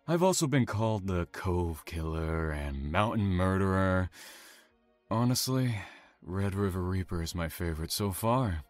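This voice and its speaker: A man playing a calm, taunting, self-satisfied serial killer in an audio drama, savoring his words with theatrical menace. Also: low-pitched, unhurried, dry recording, faint music behind.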